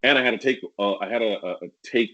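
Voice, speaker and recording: A man talking candidly as a guest on a casual podcast, acting out sales pitches as he tells stories. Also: quick pace, fairly bright tone, muffled recording. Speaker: podcast guest, real estate agent.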